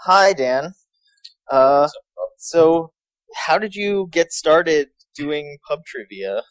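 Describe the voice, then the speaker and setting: A man co-hosting a podcast in casual conversation, speaking haltingly with pauses in mid-thought. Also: fairly high pitch, animated, poor audio. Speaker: podcast co-host, game creative director.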